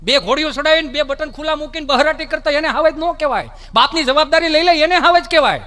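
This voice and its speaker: A man telling folk comedy stories on stage, animated and putting on voices. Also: extremely high pitch, fast talker. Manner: animated, acts out voices, rustic asides. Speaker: stand-up comedian. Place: live stage show.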